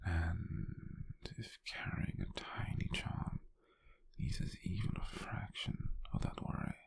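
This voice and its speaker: Gentle, doting British wizard boyfriend played by a male ASMR actor: low, gravelly half-whisper, tender and softly teasing. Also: steady tone, slow pace, exaggerated voice. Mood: affectionate, earnest. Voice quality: breathy, husky near-whisper. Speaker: ASMR roleplay performer. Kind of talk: ASMR roleplay, intimate whispering.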